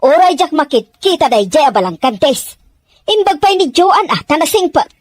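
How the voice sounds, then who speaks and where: A woman's voice: sits high, big pitch swings. A woman playing a money-grasping, gossipy mother-in-law in an audio drama, exclaiming and drawling with a Filipino accent. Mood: gloating, wheedling. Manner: exclamatory, drawn-out wheedling and scolding. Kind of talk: Ilocano audio drama acting.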